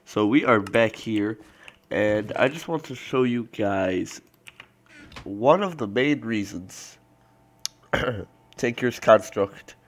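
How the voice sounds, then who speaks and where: A man's voice: on the low side, lively intonation, takes it slowly, long pauses. A young man with a congested, stuffy nose from a cold, hosting a casual gameplay video with rambling, filler-heavy commentary. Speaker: let's play host.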